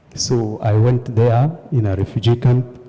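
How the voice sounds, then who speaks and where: There is noticeable background noise behind this man. He speaks at a medium pitch with fairly even intonation. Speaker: refugee speaker. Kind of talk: testimony.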